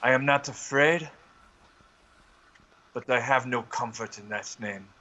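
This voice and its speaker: A man's voice: medium pitch, measured pace, sharp tone, highs cut off, slight background noise. A man voicing a solemn vine creature from a swamp in a tabletop roleplay, speaking formally and portentously. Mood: solemn, uneasy.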